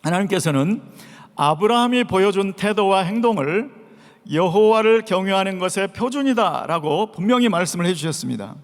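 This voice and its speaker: A man preaching a Sunday sermon as pastor, posing rhetorical questions and acting out shouted calls. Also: sits high, expressive, normal speed. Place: church sanctuary. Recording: long reverb of a large church hall.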